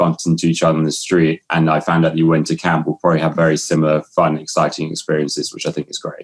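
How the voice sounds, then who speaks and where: A man's very deep, low voice with an English accent. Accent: English, mistaken for Australian by Americans. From southern England, Chichester (born Scotland). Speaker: film production company founder. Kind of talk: casual interview chat.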